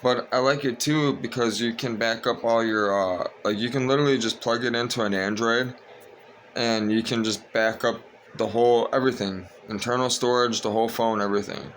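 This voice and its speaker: A young man talking casually to his viewers at home, sleepy and monotone, rambling with lots of fillers. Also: medium pitch, moderate pace, a little hiss or hum. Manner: monotone, meandering, frequent fillers. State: tired, sleepy. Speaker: vlogger.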